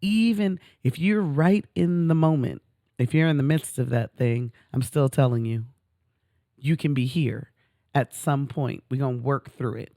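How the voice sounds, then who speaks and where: A woman's voice: a bass voice, measured pace, dark tone, dry recording, clean studio sound. Effusive middle-aged woman co-host. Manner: emphatic, effusive, draws out words. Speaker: podcast co-host. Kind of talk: casual chat.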